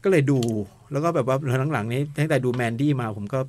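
A man's voice: mid-range voice, brisk, a little mellow, a little hiss or hum. A man co-hosting a radio film show, chatting casually and rambling a little as he describes things.

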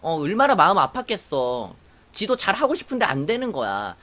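A young woman telling a personal story to camera in a casual, animated way, acting out what others said. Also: fairly low pitch, fairly quick. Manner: animated, acts out quoted voices, laughs while telling. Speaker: YouTuber.

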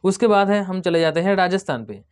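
A man's voice: sits high, expressive, fairly quick, smooth. A man from India hosting a tech channel, casually going through viewer comments, spelling out place names letter by letter and often repeating "okay".

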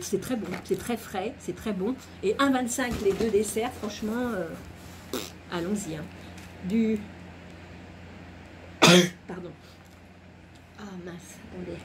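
A woman's voice: mid-range voice, slight background noise, rough recording. A woman chatting casually as a vlogger at home, showing off her groceries in a rambling way and laughing at herself. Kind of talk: casual grocery haul chat.

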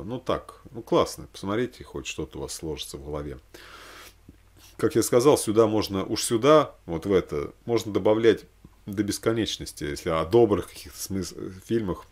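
A middle-aged man speaks in a lowish register with plenty of gravelly fry. He talks informally to camera without a script. His delivery wanders, repeating and correcting itself as it goes. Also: darkish tone. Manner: rambling, repetitive, often hedging and correcting himself. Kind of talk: informal commentary to camera, unscripted. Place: small room indoors at home.

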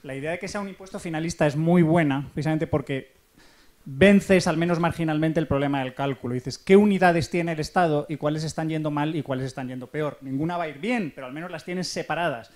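A man makes an argued comment from a conference audience. He talks fast, in a slightly high voice. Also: darkish tone.

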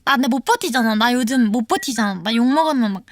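Young female streamer, high and animated, chatty and playful. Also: quick pace, no echo. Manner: playful, slips into comic voices when quoting. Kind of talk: casual late-night chat.

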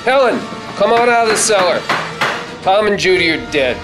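A man's voice: high voice, big pitch swings, moderate pace, low-quality recording. An actor playing a tough, hot-tempered man fighting off ghouls, urgent and commanding, in a radio play. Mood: tense, commanding. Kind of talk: live staged radio play reading. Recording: stage reading with music underneath.

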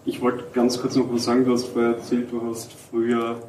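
A man's voice: mid-range voice, monotone, a little fast, darkish tone. A man from Vienna asking interview questions in an informal, lightly teasing way. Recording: distant roomy mic, faint noise.

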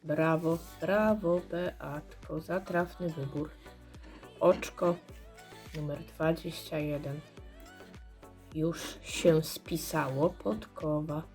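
A hoarse woman calmly commenting while she scratches lottery cards and checks the symbols. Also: low-pitched, soft background music. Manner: slow, murmured checking of symbols. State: hoarse, clearing throat. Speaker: scratch card vlogger.

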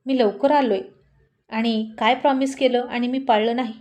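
A woman voicing a calm young husband in a storybook reading, gently teasing his wife. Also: on the high side, moderate pace, natural voice. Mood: soothing.

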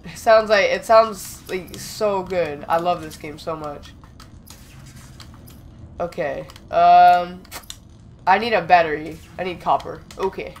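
A young man with a slightly raspy voice from being sick, chatting excitedly as he plays and talks back to the game. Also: sits high, takes it slowly, pauses often, soft background music. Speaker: gaming channel host. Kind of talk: casual gameplay commentary.

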